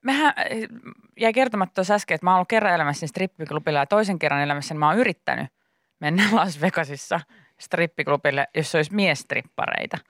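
A woman's voice: lowish voice, dry recording, studio quality. A young woman hosting a morning radio show, chatting casually and telling a funny story with frequent laughs. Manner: animated storytelling, laughs often. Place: radio studio. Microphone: studio microphone.

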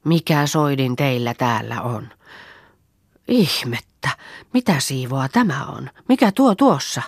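Woman reading excitable farm girl, loud exclaims, kinda gravelly. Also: a bass voice, no echo, studio quality, full character voice. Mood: astonished.

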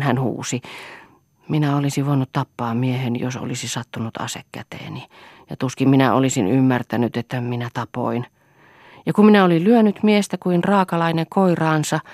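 A woman voicing a distraught middle-aged man who speaks quietly and haltingly, in an audiobook. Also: a bass voice, dry recording, studio quality. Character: shaken middle-aged man confessing in a hushed voice.

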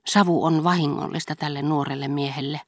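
A woman's voice: sits low, fairly even intonation, darkish tone, no room sound, clean studio sound. A woman voicing a proud, jealous young male aristocrat in an audiobook, speaking firmly and formally. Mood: stern.

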